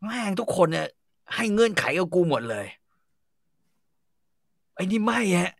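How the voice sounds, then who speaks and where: A man telling a story in a casual chat, animated and full of crude slang, acting out bits of dialogue. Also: high-pitched, a little slow, gravelly, no room sound, studio quality. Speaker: storyteller host.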